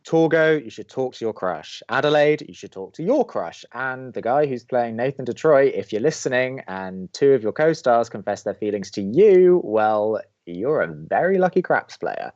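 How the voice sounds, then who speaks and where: Man acting a cynical, deadpan college radio co-host. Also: mid-range voice, normal speed, hardly any pauses, lo-fi sound, close to an everyday voice. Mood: dry, sardonic. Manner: sardonic, deadpan, exasperated. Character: cynical, grumpy young male college radio advice co-host. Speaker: actor in a romantic comedy podcast. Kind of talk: audio drama acting as dry radio banter.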